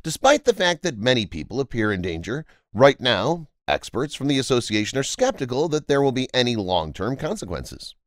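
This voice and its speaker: A man reading a scripted documentary narration as a voice-over, his delivery jumping up and down in pitch. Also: no echo, clean studio sound.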